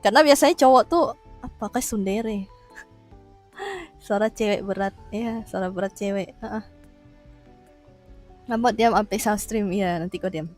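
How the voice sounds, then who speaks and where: A woman's voice: medium pitch, unhurried, long pauses, darkish tone, soft background music. A woman live streamer chatting casually with her viewers, playful and teasing, laughing often and throwing in little roars. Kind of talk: casual livestream chat reading viewer comments.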